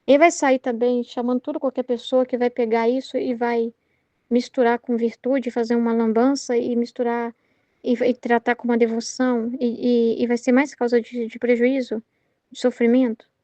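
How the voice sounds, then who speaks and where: A Brazilian woman with a high, mellow voice gives an informal spiritual teaching to her Catholic study group. She talks earnestly and conversationally, full of fillers and restarts. The sound is close and dry. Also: little pitch movement, moderate pace, no room sound, highs cut off. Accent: Brazilian Portuguese.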